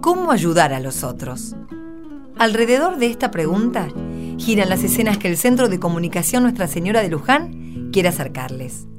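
A woman's voice: mid-range voice, sing-song, moderate pace. A woman with an Argentine accent narrating a scripted radio drama. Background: plucked guitar music.

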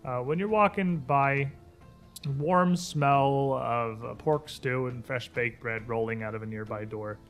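A man with a bright, forward voice acts as game master. He improvises descriptions in an informal, conversational way, over faint background music. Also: mid-range voice, unhurried. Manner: informal, descriptive, animated asides. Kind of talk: improvised tabletop game narration.

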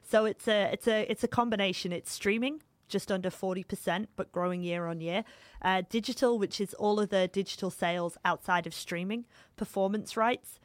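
A woman's voice: medium pitch, normal speed, no room sound. A woman in her thirties, a startup founder, talking animatedly in a casual interview with many fillers and restarts. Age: 30s.

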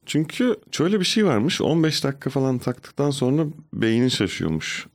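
A man hosting a casual comedy podcast, chatty and quick to laugh, acting out quotes as he goes. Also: medium pitch, sing-song. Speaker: podcast host.

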